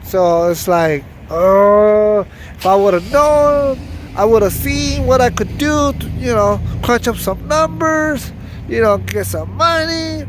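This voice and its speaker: An American man giving a casual, halting vlog recap, restating himself informally as he goes. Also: extremely high pitch, noisy background. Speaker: vlogger.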